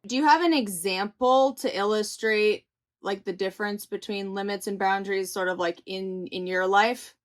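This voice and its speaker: A woman's voice: mid-range voice, normal speed. A woman from New Mexico hosting a panel discussion, upbeat and enthusiastic as she introduces guests and asks questions. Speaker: podcast host.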